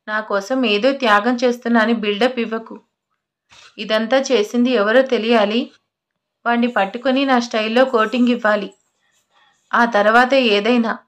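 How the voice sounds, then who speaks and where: A woman's voice: fairly high pitch, lightly acted. A woman voicing a stubborn, hot-tempered young husband in an audio love story, scolding and then apologizing.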